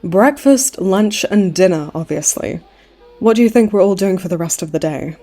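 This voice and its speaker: A cocky supervillain woman, acted by a woman for a comedy audio roleplay. Her voice is mellow and mid-pitched. She talks in a breezy, chummy, teasing way, entirely pleased with herself. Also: close to an everyday voice. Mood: sarcastic. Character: cocky, cheeky supervillain woman, a chummy hospital frequent flyer.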